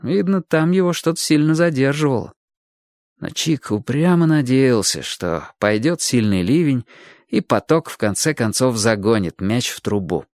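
A man narrating a literary story with expressive, lively storytelling. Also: medium pitch, normal speed, no echo, studio quality. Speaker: audiobook narrator.

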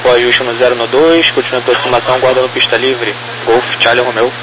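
A man's voice: mid-range voice, flat delivery, quick pace. A man working as an air traffic tower controller, speaking clipped procedural phraseology digit by digit over crackly radio. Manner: procedural, reading numbers digit by digit. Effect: crackly radio transmission. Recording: crackly, noisy aviation radio.

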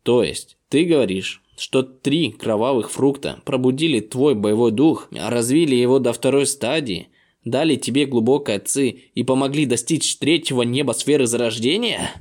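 A man voicing a gruff, volatile old clan grandfather who swears and shouts in disbelief, in an audiobook reading. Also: mid-range voice, normal speed, close to an everyday voice. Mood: agitated.

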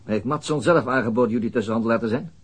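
An actor playing a calm, persistent male detective questioning a suspect in a radio drama, dry and insistent. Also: medium pitch, rapid-fire, husky, close to an everyday voice. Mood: steady. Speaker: interrogating detective.

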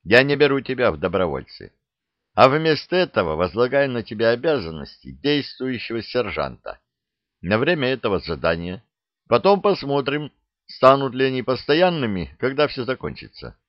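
A man reading the part of a space legion captain who asks careful, measured questions. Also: mid-range voice, big pitch swings, dry recording, muffled recording, voice pushed up, close to an everyday voice. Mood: probing. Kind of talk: audiobook character reading.

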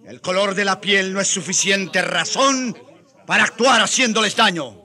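A man's voice: high voice, pushed and bright. An actor playing an impassioned colonial Christian man who declaims like a preacher in a radio drama. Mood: fervent, pleading. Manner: fervent, slow preaching declamation. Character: impassioned colonial Christian man denouncing wrongs against Indians.

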